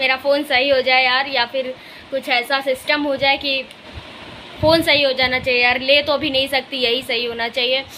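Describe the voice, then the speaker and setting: Noticeable background noise sits behind a woman with a high-pitched voice. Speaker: vlogger. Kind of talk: casual vlog monologue. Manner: blunt, assertive.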